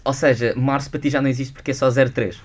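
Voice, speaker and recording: A man's voice: mid-range voice, steady tone, racing, a little hiss or hum. A young man from Portugal, hosting a morning radio show with chatty banter in a studio. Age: young adult. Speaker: radio host.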